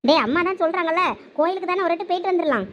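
A woman's voice: very high voice, very fast, a bit bright, dull audio, a little hiss or hum. A woman in a village comedy skit, voicing a lazy young male friend who teases his buddy. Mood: teasing. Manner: teasing, joking.

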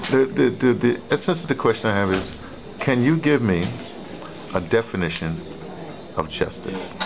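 Gravelly, hesitant male interviewer. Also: on the low side, animated, normal speed. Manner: hesitant, rambling, many fillers. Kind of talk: casual interview questions. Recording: noisy room ambience.

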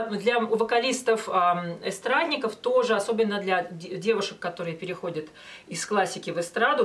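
Woman, forties, vocal coach, instructional delivery, medium pitch, pausing between phrases, recorded a little way from the mic. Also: fairly bright tone. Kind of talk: instructional talk with short sung demonstrations. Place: small indoor studio with banner backdrop. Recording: voice some distance from mic.

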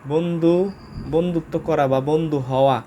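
A man's voice: on the high side, steady tone, a little slow, warm tone, a little hiss or hum. A man with a Bangladeshi accent giving a casual vocabulary lesson, talking informally with frequent filler sounds and spelling words out letter by letter. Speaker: English vocabulary teacher.

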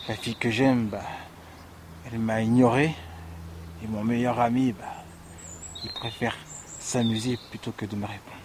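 A man's voice: mid-range voice, little pitch movement, normal speed, long pauses, darkish tone, a little hiss or hum, natural voice. A young man playing a hurt, abandoned loner in a fan film drama. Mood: dejected. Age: young adult. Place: outdoors in a wooded park.

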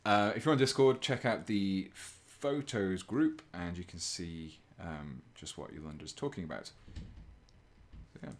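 Low-voiced laid-back man. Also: unhurried, a little hiss or hum. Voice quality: low, fairly monotone voice. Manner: relaxed, chatty, chuckles often, reads chat aloud. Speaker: miniature painting streamer. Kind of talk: casual live stream chat while painting. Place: indoors at a painting desk.

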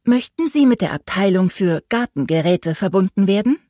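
A woman voicing a relentlessly friendly female automated phone voice, polite, measured and unflappable. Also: medium pitch, animated, mellow, dry recording, clean studio sound, natural voice. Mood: politely robotic.

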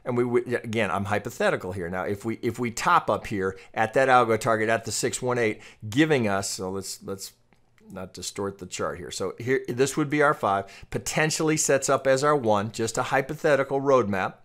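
A man's voice: medium pitch, moderate pace, a bit bright. A man giving unscripted tutorial commentary as a trading analyst, explaining step by step and often repeating and restarting his phrases.

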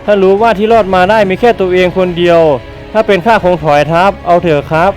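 A steady, loyal ogre general, read by a man, polite and measured, his voice pitched higher than most men's. Quiet music hums faintly in the background. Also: close to an everyday voice. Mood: respectful. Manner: polite, respectful replies. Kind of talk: web novel read aloud.

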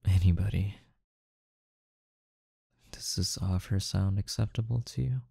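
A man acts out a smooth-talking mafia boss in an intimate ASMR roleplay. His low voice is dark and husky, heard very dry and close. He coaxes and threatens calmly, pausing deliberately. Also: dry recording, exaggerated voice. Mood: amused, coaxing. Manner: slow, menacing, softly coaxing, with deliberate pauses.

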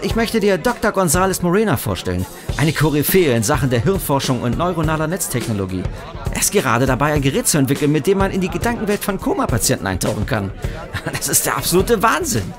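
An actor playing an eager, friendly younger brother in an audio drama, a little hesitant and apologetic. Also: male voice, on the high side, big pitch swings, fast, over music. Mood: excited.

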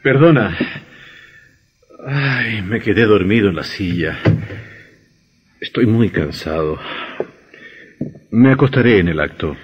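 An actor playing a tired, frightened doctor in a radio drama, husky and hesitant. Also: male voice, fairly low pitch, animated, takes it slowly, pauses often, heavily acted. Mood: weary. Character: weary frightened doctor, husband of a vampire. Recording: dull lo-fi audio with long hall reverb.

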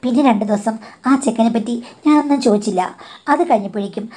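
A woman's voice: fairly high pitch, fast, a little mellow. A woman in her forties telling a first-person story in a chatty way, acting out the dialogue.

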